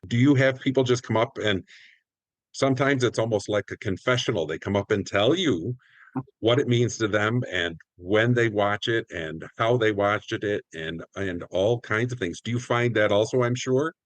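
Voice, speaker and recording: Man with a lowish voice just talking in an interview, dry sound. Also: moderate pace, no echo, low-quality recording. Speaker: guest, community theatre player. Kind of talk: conversational interview talk.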